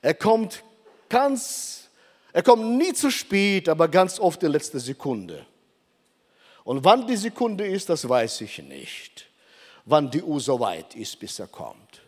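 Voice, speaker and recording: An older man preaching a sermon, emphatic and slowing down for dramatic pauses. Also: on the high side, huge pitch swings, big-room sound.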